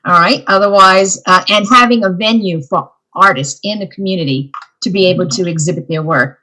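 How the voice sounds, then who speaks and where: A woman's voice: mid-range voice, a little fast, sharp tone, rough recording. A woman from Brooklyn, New York whose accent blends Brooklyn and Southern US, a self-taught artist speaking casually on a video call panel. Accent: Brooklyn mixed with Southern US. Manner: friendly, with light fillers.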